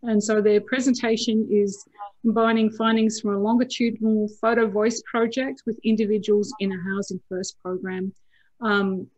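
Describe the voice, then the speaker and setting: A woman with a croaky morning voice, chairing a conference session over a video call and reading out the introduction with fillers. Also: medium pitch, little pitch movement, moderate pace, a little mellow, no echo, low-quality recording.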